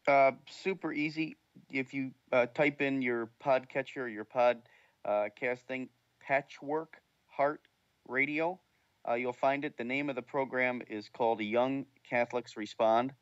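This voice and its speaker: A man co-hosts a radio talk show, relaxed and easygoing as he reads out listener questions. His voice sits at a mid pitch and sounds a little dull and muffled, with dry, close acoustics. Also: measured pace, no echo. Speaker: show producer and co-host.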